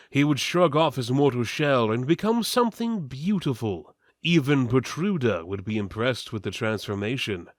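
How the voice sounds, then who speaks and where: A man narrating a mock-epic fantasy tale as a dramatic reading, theatrical and solemn with deliberate emphasis. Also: mid-range voice, dry recording, clean studio sound. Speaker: story narrator.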